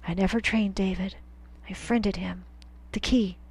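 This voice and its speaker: A woman voicing a terse, determined young male gunslinger, speaking quietly in clipped phrases. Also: mid-range voice, steady tone, a little slow, husky.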